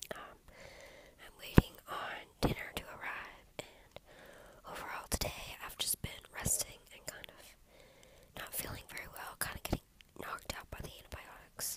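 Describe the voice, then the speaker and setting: The voice is a quiet whisper. Noticeable background noise runs behind it. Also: moderate pace. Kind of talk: casual vlog to camera. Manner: quiet, whispered.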